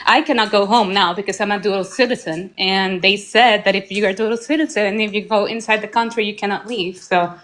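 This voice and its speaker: A woman's voice: medium pitch, fairly even intonation, brisk, hardly any pauses, a bit bright. A woman in her thirties from Venezuela, calling in to a livestream and talking emotionally with many fillers. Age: 30s. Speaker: caller. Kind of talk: casual call-in chat.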